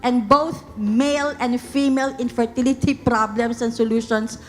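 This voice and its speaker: A woman's voice: on the high side, steady tone, normal speed, slight background noise. A woman in the audience asking a long, rambling question at a conference. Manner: rambling, searching for words. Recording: echoey hall with faint music.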